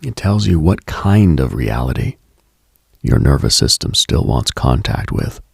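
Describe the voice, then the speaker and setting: Late-night radio host, male, very husky with gravelly fry, contemplative, halting delivery, intimate reflective monologue. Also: very deep voice, sing-song, no room sound. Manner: slow, contemplative, halting with pauses.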